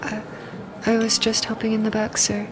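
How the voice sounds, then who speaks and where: A woman's voice: on the high side, monotone, normal speed, noisy background, lightly acted. A woman voicing a timid, deferential young servant who speaks hesitantly and very politely. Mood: meek.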